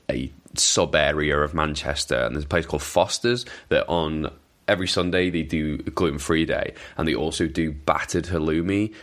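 A man's voice: a bass voice, fairly bright tone. A young Welsh man with a Welsh accent, hosting a podcast and answering listener questions in a chatty, self-deprecating, rambling way. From Wales. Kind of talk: casual chat.

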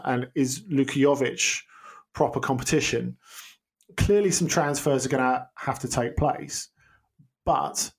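A man's voice: mid-range voice, darkish tone. Hesitant male football pundit. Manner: hesitant, many restarts and ums. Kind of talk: casual podcast chat.

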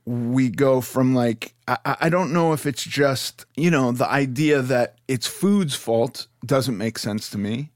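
A man hosting a casual podcast, working through ideas aloud with many stops and restarts. His voice sits at a middle pitch and is recorded close and dry. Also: dry recording. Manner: halting, restarts, thinking aloud. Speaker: podcast host.

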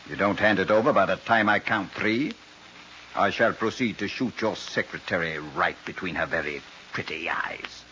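An actor playing a cold, formal, soft-spoken murderous colonel in a 1940s radio crime drama, with an officer's precise manner. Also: male voice, low voice, normal speed, close to an everyday voice. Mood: cold, threatening. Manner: formal, precise, coldly polite military officer. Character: soft-spoken, menacing male colonel, murderous gang boss. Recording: muffled, noisy old radio recording.

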